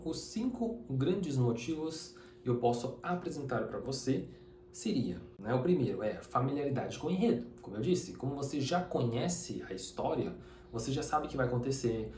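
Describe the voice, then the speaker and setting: A man's voice: mid-range voice, warm tone, roomy sound, a little hiss or hum. A man from Taiwan whose first language is Mandarin, teaching a casual spoken lesson to camera and often tagging his sentences with checking questions. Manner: conversational, uses many tag questions.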